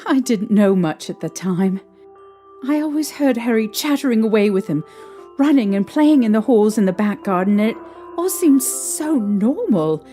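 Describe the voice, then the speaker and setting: A woman playing a young mother shaken by strange happenings, recalling them in a halting, hesitant way. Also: medium pitch, expressive, dark tone, lightly acted. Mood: uneasy. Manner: hesitant, halting recollection with restarts. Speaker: interviewee recounting events. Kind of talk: fan audio drama acting. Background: faint music.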